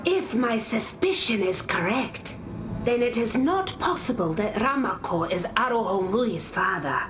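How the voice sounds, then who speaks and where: A woman playing a solemn, discreet tribal warrior in a video game, speaking gravely and deliberately. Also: medium pitch. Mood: guarded, thoughtful. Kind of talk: video game character dialogue. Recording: loud music behind the voice.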